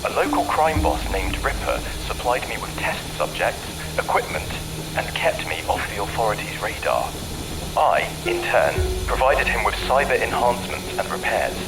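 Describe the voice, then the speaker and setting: An actor playing a grave, remorseful scientist and father, delivering a solemn, deliberate confession in an audio drama. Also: fairly low pitch, big pitch swings. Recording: clearly noisy recorded message.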